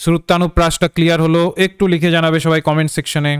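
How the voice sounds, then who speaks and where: Clear-voiced man teaching a live class. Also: a little high, level tone, very fast, no room sound, clean studio sound. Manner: explanatory, repeats key points, asks rhetorical checks. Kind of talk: live online lecture.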